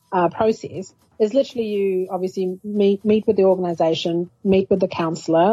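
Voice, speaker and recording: A woman with a New Zealand accent talks at a fairly quick pace in a dark, mellow tone. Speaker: counsellor. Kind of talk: interview.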